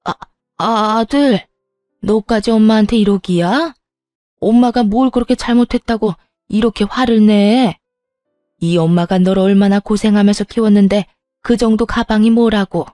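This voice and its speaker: A woman's voice: mid-range voice, normal speed, dark tone, dry recording, studio quality, soft background music, lightly acted. A woman voicing a brazen older mother-in-law. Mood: wounded. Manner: defensive, stammering, indignant. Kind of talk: scripted story narration.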